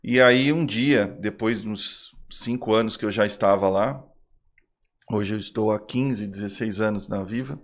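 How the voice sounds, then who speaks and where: A man's voice: lowish voice, measured pace. A middle-aged man, a swimming school manager, telling a heartfelt story in a casual interview and repeating phrases for emphasis.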